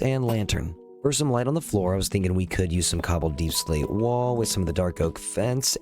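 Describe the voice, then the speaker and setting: Male gameplay host, low, relaxed and slightly raspy, soft music bed. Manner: relaxed, easygoing, thinks aloud while building. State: slightly raspy from recent illness. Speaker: Minecraft let's play host. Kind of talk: calm narrated gameplay commentary.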